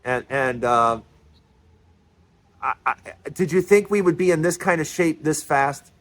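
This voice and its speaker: An older man in his sixties holds forth in a passionate monologue. His voice sits a little high for a man. He stumbles over words and repeats them as he presses his point. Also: lively intonation, a little slow, a bit bright. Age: 60s. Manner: emphatic, repeats words, restarts often. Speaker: commentary host.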